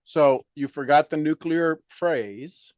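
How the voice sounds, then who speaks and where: A man coaching in an emphatic, motivational way, animated and firm. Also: a little high, takes it slowly, no room sound. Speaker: sales coach.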